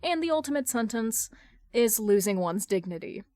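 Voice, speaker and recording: A woman reading fan fiction aloud in an expressive, colloquial storytelling style. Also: fairly high pitch, moderate pace, no echo, studio quality.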